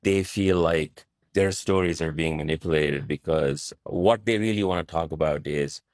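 Very deep-voiced man, thoughtful and dry. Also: normal speed, darkish tone, dry recording. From Nepal. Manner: thoughtful, many fillers like "you know" and "right". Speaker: journalist guest. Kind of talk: interview answer.

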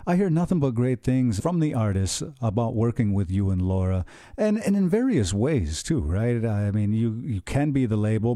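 A man's voice: mid-range voice, mellow, dry recording, clean studio sound. A middle-aged man hosting a radio show, earnest and enthusiastic, talking in long rambling turns. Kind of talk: conversational radio interview.

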